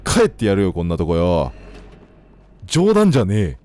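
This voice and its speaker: A young man with a Kansai accent giving casual, joking commentary while playing a game, talking to the characters and shouting now and then. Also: sits low, wildly swooping pitch, moderate pace. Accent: Kansai Japanese. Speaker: gameplay commentator. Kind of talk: casual let's-play commentary. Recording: faint game music behind.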